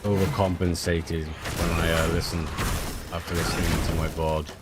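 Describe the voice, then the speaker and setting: A man, streaming a game and chatting casually with his viewers in a relaxed, hesitant way with many fillers. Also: normal speed. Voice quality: deep voice. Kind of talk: casual gameplay streaming chat. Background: game music.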